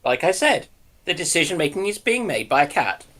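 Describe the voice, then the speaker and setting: A man's voice: fairly high pitch, big pitch swings, a little fast, crowd noise. A man chipping in as a guest on a live stream with casual, dryly sardonic banter over a voice call.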